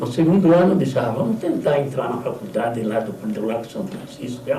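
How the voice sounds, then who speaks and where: Very wide pitch swings at a moderate pace, with audible room echo and noticeable background noise. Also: man. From Brazil, interior São Paulo state (Angatuba). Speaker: radio announcer. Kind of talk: testimony.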